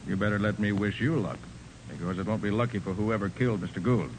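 An actor playing a brisk, confident male private detective in a 1940s radio crime drama. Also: fairly low pitch, lightly acted. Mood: authoritative. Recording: noisy 1940s radio recording.

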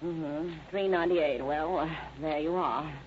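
An unhurried lady customer in a 1930s radio play. Her voice is very low, on a muffled recording with some hiss. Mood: polite. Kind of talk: 1930s radio drama acting. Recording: dull, noisy old radio recording.

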